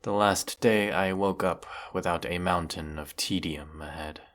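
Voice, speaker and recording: An actor playing a weary, menacing galactic emperor in a sci-fi audio roleplay, speaking with pompous, theatrical formality. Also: male voice, unhurried, fairly bright tone. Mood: weary, confiding. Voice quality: low, gravelly. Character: weary, menacing galactic evil emperor, secretly fond of servant. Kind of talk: scripted audio roleplay monologue.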